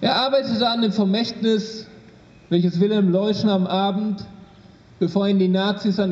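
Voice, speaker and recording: A man speaks in a dark, mellow tone with ordinary pitch variation. Room echo is audible. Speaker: trade union official. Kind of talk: public speech. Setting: outdoor rally. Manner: impassioned. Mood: serious, historical remembrance. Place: street. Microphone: podium.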